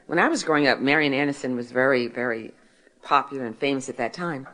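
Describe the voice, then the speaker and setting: A woman in her sixties from Philadelphia speaks to a gathered audience about her faith. Her voice sits low and deep. She tells her story warmly paced, asking questions and answering them herself. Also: fast talker, poor audio. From Philadelphia, United States. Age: 60s. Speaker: author and speaker. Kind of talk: faith testimony talk to an audience.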